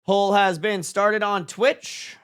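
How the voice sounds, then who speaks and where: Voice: medium pitch, fairly even intonation, takes it slowly, clear, resonant tone. A streamer in their twenties chatting casually to a live audience, with slangy, emphatic talk and frequent swearing. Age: 20s. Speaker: livestream host. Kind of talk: casual reaction stream chat.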